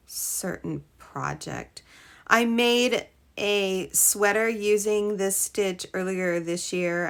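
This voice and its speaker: A woman hosting a casual live crochet stream, chatting with viewers, her voice a little hoarse from a cold. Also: fairly low pitch, fairly bright tone. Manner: chatty, greets viewers, trails off and restarts. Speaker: crochet livestream host.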